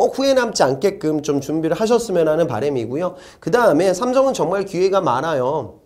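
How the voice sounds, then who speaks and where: A man talks at a fairly quick pace with a high pitch and very wide pitch swings. Audible room echo surrounds his voice. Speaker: job exam prep instructor. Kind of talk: online lecture. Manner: fast; casual, conversational.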